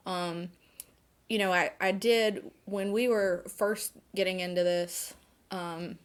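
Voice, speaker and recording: Lower-pitched woman of forty, thinking aloud. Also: fairly even intonation, slow pace. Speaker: interviewee, photography instructor. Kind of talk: conversational interview answers.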